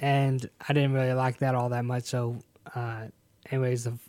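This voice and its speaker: A man with an American accent speaks in a monotone, flat way. The recording is very clean, with a silent background. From Connecticut then US South. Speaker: accountant, Air Force veteran. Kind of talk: radio interview. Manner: hesitant, many fillers.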